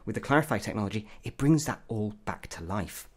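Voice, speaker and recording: Low-voiced man reviewing tech. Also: animated, fairly quick, slightly rough. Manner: opinionated, blunt. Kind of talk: product review commentary.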